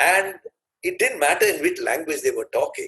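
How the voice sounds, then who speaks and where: A man with an Indian accent speaks with a dry, close sound with no echo. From India, Calcutta. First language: Tamil. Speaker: business leader and speaker. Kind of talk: talk to an audience.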